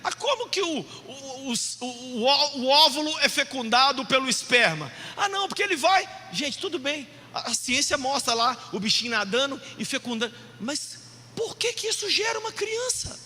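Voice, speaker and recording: High, lively preaching pastor. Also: male voice, normal speed, few pauses, slightly rough. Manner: animated, jokey, shouts for emphasis. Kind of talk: sermon. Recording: long hall reverb.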